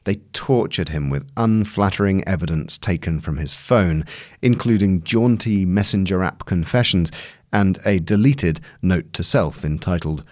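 Very deep-voiced man narrating. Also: unhurried, a little mellow, no room sound, studio quality. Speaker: narrator reading a long-form news article. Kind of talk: scripted narration, audio long read.

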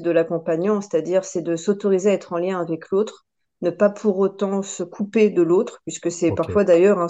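Mellow-voiced woman in her forties. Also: on the low side. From France. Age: 40s. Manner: thoughtful, many hesitations and restarts. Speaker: guest, personal development coach. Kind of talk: podcast interview.

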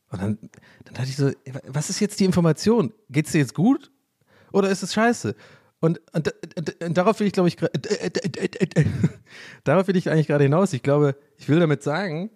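A young man talks on his solo podcast in a loose, rambling way. He keeps breaking off into self-mocking asides, and his pitch jumps around with a lively lilt. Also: slightly rough. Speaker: podcast host. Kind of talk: casual solo podcast chat.

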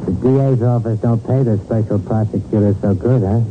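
An actor playing a menacing, vengeful American gangster in a 1940s radio crime drama, talking tough, slangy and taunting. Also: male voice, on the low side, fairly even intonation, a little fast, close to an everyday voice. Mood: taunting menace. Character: menacing, vengeful gangster racketeer, sneering and cocky. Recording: muffled vintage radio broadcast, loud music.

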